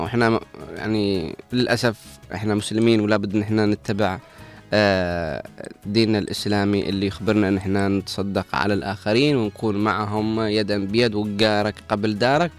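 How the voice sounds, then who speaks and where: Guy on morning radio, talks quick, kinda preachy, faint music behind. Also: fairly low pitch, steady tone, smooth. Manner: earnest, preachy and moralizing. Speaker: radio presenter. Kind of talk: morning radio advice talk.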